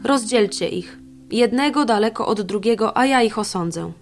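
A woman reading the lines of a bold young man who judges and accuses, in a stern, even way. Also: on the high side, normal speed, faint music behind.

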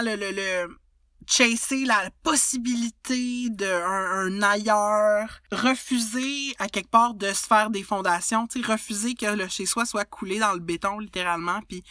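Woman, Quebec French accent, bright voice, dry, thoughtful, hesitant. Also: mid-range voice, no room sound. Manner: thoughtful, hesitant, many restarts. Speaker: podcast co-host. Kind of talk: reflective casual chat.

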